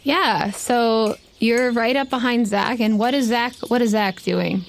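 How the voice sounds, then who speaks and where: A woman's voice: a little high, steady tone, measured pace, creaky. Woman game master with faint background noise. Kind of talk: improvised tabletop game narration.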